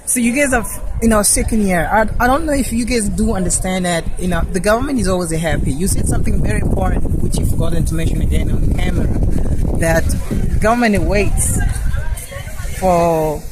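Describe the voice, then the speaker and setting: A man from Malawi interviewing students, talking in a loose, rambling way with frequent pauses and laughs. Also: high-pitched. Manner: rambling, laughs between remarks. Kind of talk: casual street interview. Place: outdoors on a campus. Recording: noisy outdoor recording.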